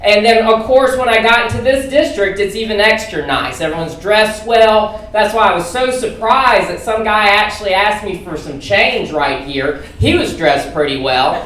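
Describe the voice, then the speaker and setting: A high-voiced man with a Southern drawl works a theater crowd with loose, punchy stand-up. The sound comes from far off in a roomy, echoing hall, with clear noise underneath. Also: lively intonation, normal speed, few pauses. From Alabama, USA. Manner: punchy, conversational, with loud bursts to the crowd. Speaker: stand-up comedian. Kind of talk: stand-up comedy set. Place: comedy theater stage. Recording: echoey theater recorded from far off, noisy.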